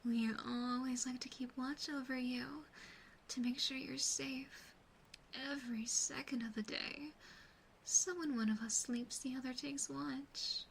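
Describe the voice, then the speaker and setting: A woman voicing an earnest, devoted yandere demon sister in an ASMR roleplay, breathy and often whispering, soft, measured and doting. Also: high-pitched, fairly even intonation, a little hiss or hum. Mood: devoted, contrite.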